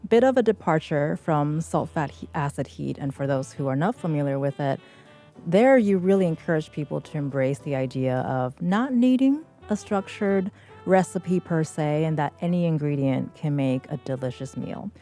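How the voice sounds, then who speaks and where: A woman hosts a public radio interview in a measured, attentive way. Her voice is low and mellow. Faint music sits behind her. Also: expressive. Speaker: radio host. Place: radio studio.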